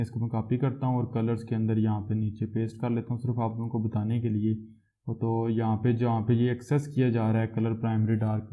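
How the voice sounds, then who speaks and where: A man teaching a coding tutorial step by step, pausing to correct himself and filling gaps with hesitation sounds. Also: medium pitch. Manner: explains step by step, with frequent self-corrections and filler sounds. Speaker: programming tutor. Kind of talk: screen-recorded coding tutorial. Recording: tinny phone-like audio.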